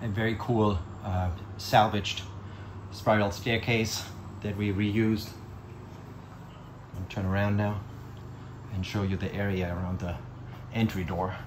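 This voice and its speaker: A man's fairly low, monotone, flat voice at a fairly slow pace with long, frequent pauses, over noticeable background noise. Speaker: seller or builder showing house. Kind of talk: casual tour narration. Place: home room. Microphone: phone near.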